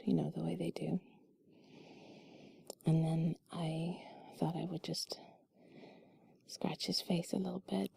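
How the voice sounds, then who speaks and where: A woman telling a personal story in an intimate, cuddly, breathy whisper, soft, rambling and confiding, as if to one listener. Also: lowish voice, dry recording. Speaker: intimate audio creator.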